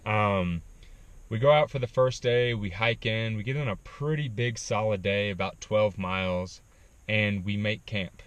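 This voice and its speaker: Male vlogger, low voice, casual animated storyteller, dry recording. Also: measured pace, smooth, no room sound. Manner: animated retelling with frequent ums. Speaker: backpacking vlogger.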